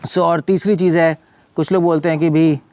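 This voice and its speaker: Hindi-speaking man, conversational and slightly high. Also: level tone, normal speed, darkish tone, a little hiss or hum. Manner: conversational, repeats words and restarts, mixes English terms into Hindi. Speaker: monk and former medical doctor giving a talk. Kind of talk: casual explanatory talk. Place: cow shelter owner speaking from his farm community.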